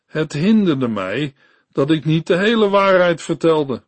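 Man, radio preacher, earnest devotional reading, very slow delivery, dry close sound. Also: on the high side, very animated, no echo. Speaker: radio Bible teacher.

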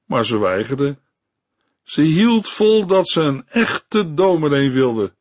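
A man narrating a Christian story in a calm, measured reading voice. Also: a little high, no echo. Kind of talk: read-aloud Christian story.

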